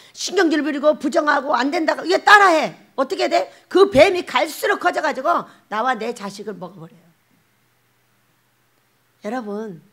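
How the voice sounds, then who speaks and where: A woman pastor, preaching a sermon and acting out the voices she quotes. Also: sits high. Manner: animated, acts out quoted voices, laughs often.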